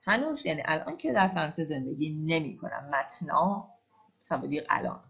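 A woman who speaks Persian as her first language, teaching a French lesson. She explains fast and repeats the French phrases slowly and clearly. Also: sits low, big pitch swings, a bit bright.

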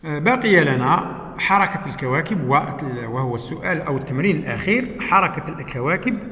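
A man teaching a lesson, working through exercises step by step with patient explanations and frequent "uh" pauses. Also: on the high side, animated, sharp tone. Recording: echoey room with long reverb.

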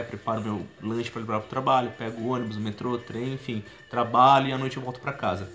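A man in his thirties from São Paulo with a Brazilian Portuguese accent, talking in a casual video diary. He is chatty and expressive and leans on fillers. He records himself on a phone in a small room. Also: medium pitch. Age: 30s. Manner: chatty and expressive, gestures a lot, many "you know" fillers. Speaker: language learner vlogger. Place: small indoor room with a plain wall. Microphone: phone camera at arm's length.

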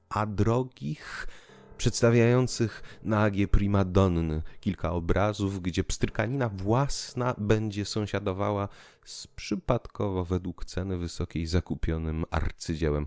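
Man, very low voice, slow pace, expressive audiobook drama reading, faint music behind. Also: no room sound. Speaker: audiobook narrator. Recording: music bed under the voice. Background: piano and musical accompaniment.

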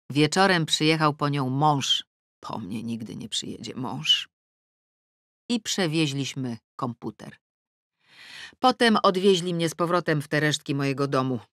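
Reading a comic novel aloud in the first person, a middle-aged woman narrator uses a low-sitting, fairly bright voice. Her wry, self-mocking delivery drops to sulky mutters and rises to exclamations. The recording is dry and studio quality.

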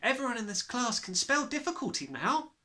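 A man voicing a brave, cheeky, bright little schoolboy in a storybook, matter-of-fact and plucky. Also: extremely high pitch, big pitch swings, a little fast, pitched above the performer's own voice, heavily acted.

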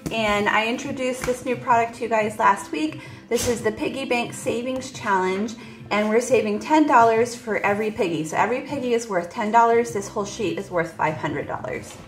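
A budgeting vlogger in her forties chats casually with viewers about her budget while counting cash at an indoor table, shown only by her hands on a top-down camera. Her voice is fairly high, and the room is echoey.

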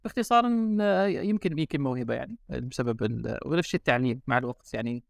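Algerian male guest, relaxed and chatty, dropping in foreign words, rapid-fire. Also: medium pitch, creaky, no echo. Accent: Algerian Arabic. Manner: relaxed, mixes in English and French words. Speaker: guest designer. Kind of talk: casual podcast chat. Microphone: remote call.

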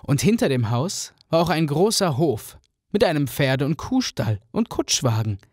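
A man narrating a fairy tale in a radio play with an even, storytelling manner. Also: fairly high pitch, normal speed, husky, dry recording, studio quality.

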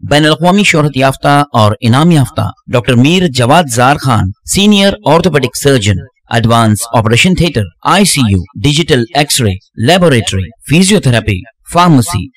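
A man narrating a formal scripted advertisement as an announcer. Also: medium pitch.

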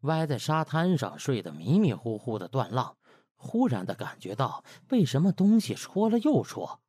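Highly animated husky male storyteller. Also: moderate pace, dry recording, clean studio sound. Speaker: audiobook narrator. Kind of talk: dramatic, colloquial storytelling narration.

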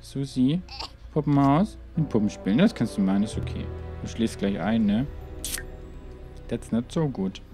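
A man's voice: mid-range voice, animated, normal speed, pauses often, dark tone, soft background music. Chatty man narrating a game. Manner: chatty, talks to his game characters, muttered asides and exclamations. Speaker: let's play host. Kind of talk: gaming commentary.

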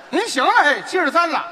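A man performing stage crosstalk comedy, bantering in a quick, teasing way. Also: extremely high pitch, expressive, over a noisy crowd. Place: large theater stage.

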